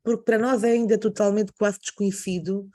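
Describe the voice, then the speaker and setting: A woman, hosting an interview and asking her guest calm, supportive questions. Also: medium pitch, fairly quick. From Portugal. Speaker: interview host. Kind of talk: conversational interview.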